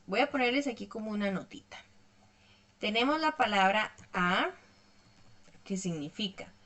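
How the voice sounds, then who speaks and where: A woman's voice: medium pitch, sharp tone. A woman teaching an online English lesson, explaining patiently step by step and checking in often with her students.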